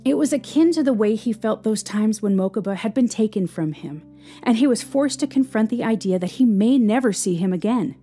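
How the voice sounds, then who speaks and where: A woman narrating a scripted audio drama in a measured, expressive, somber manner. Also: on the high side, slightly rough. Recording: music under the voice. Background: instrumental music.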